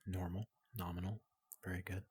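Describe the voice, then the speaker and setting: A man voicing a tall, gentle robot doctor in soft ASMR roleplay, hesitant and politely clinical, often slipping into a whisper, close to the microphone. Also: low voice, flat delivery, normal speed, dry recording. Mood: calmly clinical. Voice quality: breathy, gravelly, often dropping into whisper.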